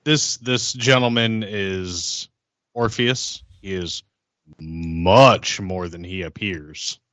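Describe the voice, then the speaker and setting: A man playing an affable vampire agent in a tabletop game, talking in a casual, halting, friendly way. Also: sits low, fairly bright tone, dry recording, muffled recording, exaggerated voice. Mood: polite, hesitant. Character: affable, hesitant male vampire agent on a mission. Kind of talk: in-character tabletop roleplay.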